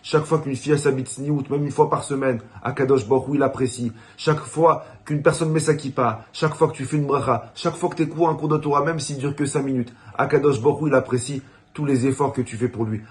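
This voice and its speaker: A rabbi speaking at a middle, unremarkable pitch. He tells a story in a lively way, then turns to earnest encouragement of his listeners. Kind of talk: weekly Torah talk.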